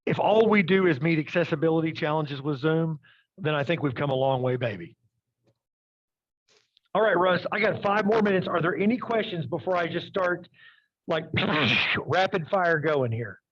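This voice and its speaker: A man's voice: fairly high pitch, expressive, normal speed, a bit bright, no echo, highs cut off. A man presenting a live webinar demo, upbeat and checking in with the audience as he goes. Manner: upbeat, addresses audience with "okay?" and "right?".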